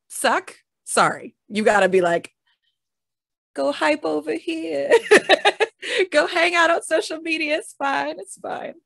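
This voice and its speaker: A woman guest on a panel over a video call, energetic and quick to laugh while sharing advice. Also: a little high, creaky, dry recording, studio quality. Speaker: audio drama creator, panel guest. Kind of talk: casual panel discussion.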